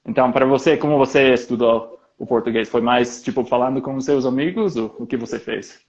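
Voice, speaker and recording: A man with as his chats steadily in Portuguese. His voice is middle-pitched. The sound is dull and lo-fi, as if through a modest mic. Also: a little fast. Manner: steady, asks his partner questions. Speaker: co-host, polyglot. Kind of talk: casual chat.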